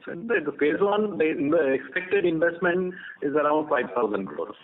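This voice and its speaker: A man answering analysts as a company executive on an earnings call, cautious, halting and formal. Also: a little high, expressive. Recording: narrow phone conference line.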